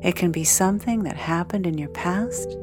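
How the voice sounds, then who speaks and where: A woman leading a guided meditation in a soothing, measured way, leaving long pauses between phrases. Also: on the low side. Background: meditation music with singing bowls.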